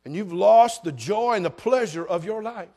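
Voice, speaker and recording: Man, pastor, high voice, folksy sermon, joking asides, shouted peaks. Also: animated, normal speed.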